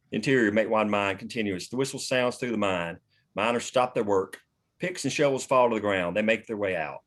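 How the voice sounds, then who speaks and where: A man narrating stage directions from a screenplay in a scripted table-read style. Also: on the low side.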